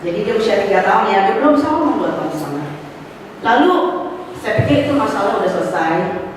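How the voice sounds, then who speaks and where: Talking fast at a medium pitch, a middle-aged woman relates her testimony at a church fellowship with lively exclamations, casual asides, slang and English words. She has a slight cough. The church hall echoes, her voice comes from far away, and there's a little hiss or hum.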